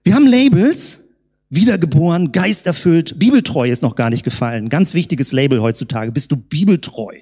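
A woman preaching a sermon, asking rhetorical questions and slowing down to stress key words. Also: sits low, expressive, dark tone, husky. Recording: long hall reverb.

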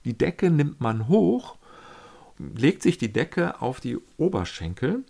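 A man telling a casual, reflective account of his pilgrimage, often pausing and searching for the right words. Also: mid-range voice, very animated, creaky, mellow. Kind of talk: casual spoken travel account.

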